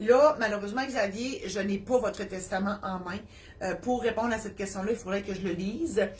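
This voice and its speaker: Here a woman talks at a medium pitch. Her voice is somewhat breathy. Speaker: notary. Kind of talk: weekly Q&A column, answering viewer questions. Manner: hesitant, many filler sounds.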